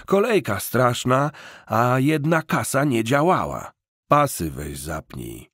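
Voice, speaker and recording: A man reading as an easygoing, husky gangster sidekick. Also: medium pitch, sing-song, slow pace, a bit bright, no room sound, clean studio sound, voice pushed up, exaggerated voice. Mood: offhand. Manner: casual, slangy street talk. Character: stocky, easygoing young male gangster sidekick.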